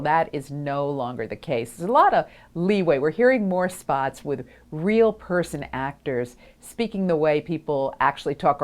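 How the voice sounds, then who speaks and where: A woman with a slightly low voice coaches the listener in an instructional talk. Her intonation is very lively, moving widely up and down, and she enunciates carefully, stressing key phrases. She is speaking outdoors. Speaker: host and voice-over coach. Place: outdoors on a windy day.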